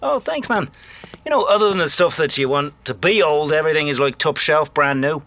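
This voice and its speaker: A wealthy, arrogant Hollywood guy in an audio drama. His voice is bright and forward, and he boasts casually, entirely pleased with himself. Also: on the high side, animated, brisk, no room sound. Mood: smug, bragging. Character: wealthy, arrogant, smug Hollywood ride-share passenger. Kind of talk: naturalistic audio drama dialogue.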